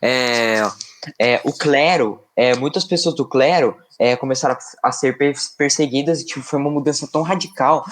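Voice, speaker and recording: A man's voice: medium pitch, normal speed, a little hiss or hum. A young Brazilian man with a Brazilian Portuguese accent, a student speaking up in class, hesitant and full of fillers. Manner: hesitant, many fillers and restarts. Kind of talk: class discussion.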